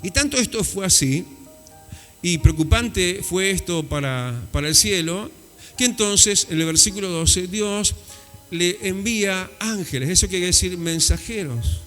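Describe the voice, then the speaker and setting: A man from Uruguay with a Rioplatense accent, preaching a lively, conversational sermon in church. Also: sits high, unhurried, big-room sound, soft background music. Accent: Rioplatense Spanish. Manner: lively, conversational preaching with rising emphatic peaks. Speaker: pastor.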